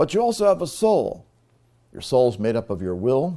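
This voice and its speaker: Very wide pitch swings mark a man's dark, mellow voice at a moderate pace. The background is quiet. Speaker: preacher. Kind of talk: sermon. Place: church. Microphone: lapel.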